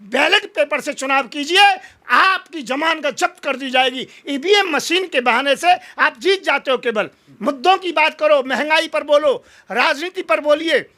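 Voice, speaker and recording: A man's voice: extremely high pitch, bright, forceful tone. A man giving an impassioned political interview, speaking in combative, emphatic oratory full of rhetorical challenges.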